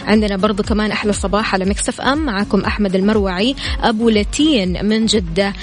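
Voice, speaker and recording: A woman's voice: mid-range voice, quick pace. A woman with a Saudi Hejazi accent, presenting a morning radio show in a casual, chatty live style. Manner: chatty, greeting and congratulating listeners. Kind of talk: casual live radio chat with listener shout-outs and news.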